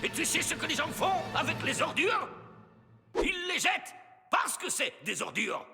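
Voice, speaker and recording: A man voicing a big horned male wrestler, boastful and loud but terrified of trolls. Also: extremely high pitch, big pitch swings, moderate pace, gravelly, long reverb tail, music in the background, full character voice. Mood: brash. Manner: boastful then fearful, shouting.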